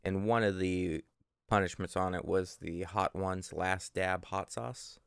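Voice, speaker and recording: A man's voice: sits low, fairly even intonation, measured pace, creaky, clean tone, no room sound, clean studio sound. A man co-hosting a podcast, telling stories in a casual, informal, mildly profane way. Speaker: podcast co-host. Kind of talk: casual podcast chat and storytelling.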